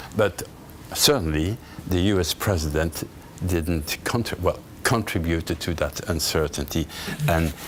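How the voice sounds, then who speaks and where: A man talks in a very deep, low pitch at a moderate pace with ordinary pitch variation and very even loudness. Long, frequent pauses break up his speech over noticeable background noise. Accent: Flemish. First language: Dutch. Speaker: ambassador lecturing on diplomacy. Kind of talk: lecture. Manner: halting, with repetitions.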